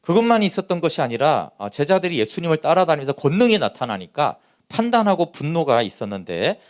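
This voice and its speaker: Animated Korean pastor preaching a sermon. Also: male voice, fairly high pitch, fast talker. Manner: animated preaching that acts out quoted speech.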